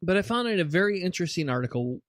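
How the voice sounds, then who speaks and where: A man's voice: high voice, lively intonation, very fast, dry recording, studio quality. A man co-hosting a podcast in casual chat, earnest and often restarting his sentences with repeated words. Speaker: podcast co-host.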